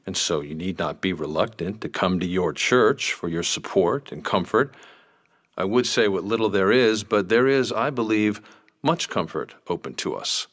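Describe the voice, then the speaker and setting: An actor playing a seasoned, patient Catholic priest in a radio drama, a probing confessor who speaks in a grave, measured way. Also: male voice, low-pitched, animated, fairly bright tone. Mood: solemn, consoling.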